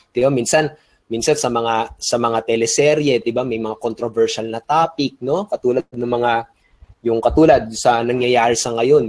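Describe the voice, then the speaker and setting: A Filipino man teaching an online business webinar, his voice at a middle pitch for a man. He talks with energy, mixes Tagalog and English, and keeps tossing rhetorical checks back at his listeners. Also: a little mellow. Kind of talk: webinar lecture.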